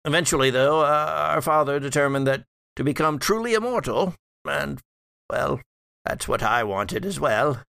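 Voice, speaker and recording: A man voicing a weary, mocking undead father in a horror roleplay, halting and condescending as he shares dark secrets. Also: fairly high pitch, creaky, no echo. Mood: reflective, halting. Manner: halting, drawn-out, condescending delivery. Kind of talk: improvised in-character horror roleplay.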